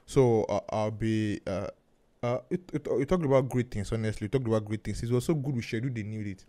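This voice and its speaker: A man with a Nigerian accent hosting a podcast interview, speaking haltingly with many restarts and fillers. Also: on the low side, warm tone. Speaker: podcast host.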